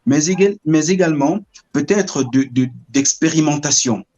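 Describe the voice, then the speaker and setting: A middle-aged man from Cameroon, telling his story as an interview guest in a measured, reflective way, often pausing to search for words. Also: on the high side, darkish tone.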